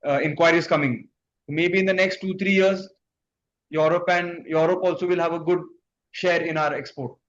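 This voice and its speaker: Higher-pitched Indian man on a muffled call. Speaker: company executive. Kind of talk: earnings call answers. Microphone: conference call line. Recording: muffled conference call, background noise.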